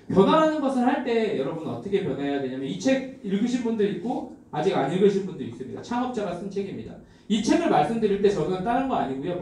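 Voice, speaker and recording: Middle-aged male seminar speaker, high and lively, mellow tone, animated storyteller who works the crowd. Very echoey hall, mic set well back. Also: recorded from a distance. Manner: animated storytelling, addressing the audience directly. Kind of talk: motivational seminar talk.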